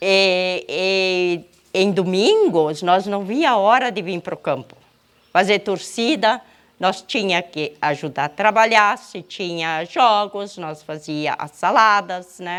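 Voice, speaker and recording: A woman speaks at medium pitch and a very slow pace, with ordinary pitch variation and big swings in loudness. The recording is very clean, with a silent background. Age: 70s. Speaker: longtime club supporter. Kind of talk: interview reminiscence. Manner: casual, conversational.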